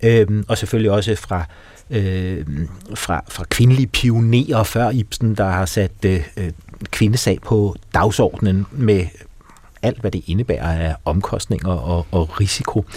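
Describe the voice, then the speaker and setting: This man's pitch is fairly low and varies in an ordinary way as he talks very slowly. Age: middle-aged. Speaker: radio host. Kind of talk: radio talk show interview.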